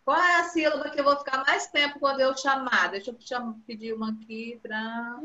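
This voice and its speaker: Brazilian woman, primary teacher on a video call, patient and coaxing, bright tone, echoey dull sound. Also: high voice, fairly even intonation. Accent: Brazilian Portuguese. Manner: patient, coaxing, drawn-out words for children. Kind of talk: online class teaching.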